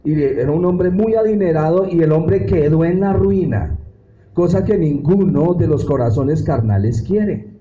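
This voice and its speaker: A man's voice: fairly high pitch, a little slow, warm tone, roomy sound, highs cut off, a little hiss or hum. A man teaching a Bible study like a sermon, acting out prayers and asking the congregation questions. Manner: preachy, acts out quoted prayers and asks the congregation questions.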